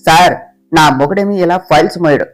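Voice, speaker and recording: A woman's voice: sits low, fairly quick, soft background music, voice pushed down, close to an everyday voice. A woman voicing a bold, cheeky young office assistant who teases her boss and talks back.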